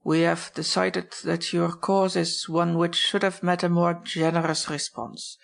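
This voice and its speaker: A woman voicing a formal, courtly German baron in an audiobook, speaking with slow deliberation. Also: on the low side, little pitch movement, vocal fry. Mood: solemn, courtly. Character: Trent posing as a formal, solemn German baron.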